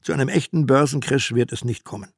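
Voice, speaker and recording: An older man in his eighties playing a reassuring male stock-market expert on television, speaking loud and bland. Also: mid-range voice, quick pace, gravelly, breathy edge, no room sound, studio quality. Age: 80s.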